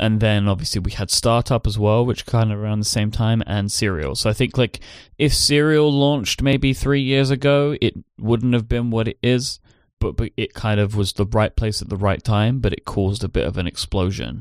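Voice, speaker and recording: This very clean recording has a silent background. A man with a British accent talks at a moderate pace with ordinary pitch variation. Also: medium pitch for a man. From Britain. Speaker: podcaster and network owner. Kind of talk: casual chat.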